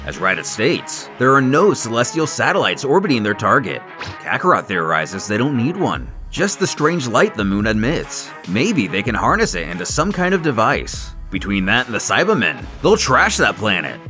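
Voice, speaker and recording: Guy doing dramatic scripted narration, really animated and theatrical, bright punchy voice over music. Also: mid-range voice, moderate pace. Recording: music under the voice.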